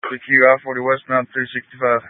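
A man working a highway closure, calling in over a two-way radio like a CB, brisk and businesslike. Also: completely flat delivery, no echo. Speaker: state trooper at a highway closure. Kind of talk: police radio traffic. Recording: dry, tinny radio transmission.

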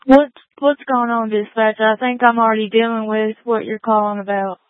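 A woman police officer talking to dispatch over a walkie talkie radio, brisk and full of codes. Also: a little high, flat delivery, no echo. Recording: tinny, dry radio transmission.

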